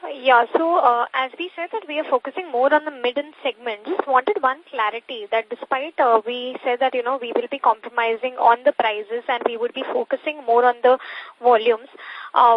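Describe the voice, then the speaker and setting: A woman, a financial analyst putting a question on an earnings conference call. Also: on the high side. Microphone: telephone on conference call. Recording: dull, lo-fi telephone line.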